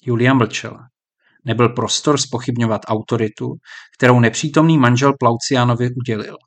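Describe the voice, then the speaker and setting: A man reading a historical novel aloud as an audiobook narrator, measured and even, lifting his voice a little for the characters' lines. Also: mid-range voice.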